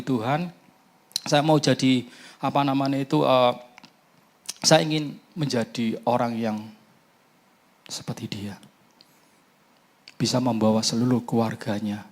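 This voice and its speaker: An older man with an East Javanese accent preaching a sermon in a church, who shifts between loud fervent pleading and soft near-whispered prayer. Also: mid-range voice. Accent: Indonesian, East Javanese. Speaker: guest preacher. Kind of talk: emotional sermon with spoken prayer. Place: church hall.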